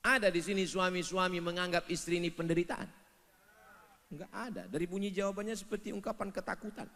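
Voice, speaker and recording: A high, bright-voiced preacher man in a big echoing hall. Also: brisk. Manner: jokes with the audience, acts out voices. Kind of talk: sermon with comic asides and sung verses. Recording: long hall reverb.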